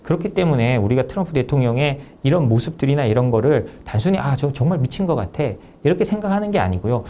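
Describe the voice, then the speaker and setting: A man, an author being interviewed as a guest, giving measured and emphatic analytical explanations. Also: fairly high pitch, mellow, slight background noise.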